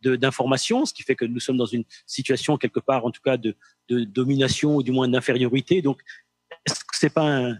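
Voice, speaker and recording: Man, panel moderator, halting delivery, repeated words, dry acoustics. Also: mid-range voice, fairly even intonation, husky, no echo.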